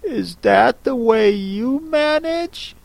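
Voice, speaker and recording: A man voicing a polite, puzzled young girl who speaks softly and cautiously. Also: extremely high pitch, lively intonation, gravelly, no echo, voice pushed up, full character voice. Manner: polite, cautious, soft and slow.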